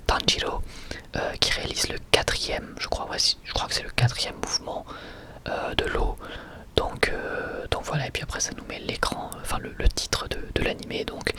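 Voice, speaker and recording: Guy whispering asmr, casual rambly chat, kinda hesitant and stop-start. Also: mid-range voice. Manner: hesitant, halting, self-correcting. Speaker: ASMR video creator.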